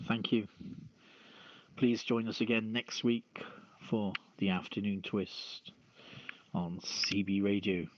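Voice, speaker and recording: A man hosting a news podcast with a halting, hesitant delivery, reading out items and announcements. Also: lowish voice, no room sound. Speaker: podcast host. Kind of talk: reading news and show sign-off. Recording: phone-like lo-fi streamed voice channel.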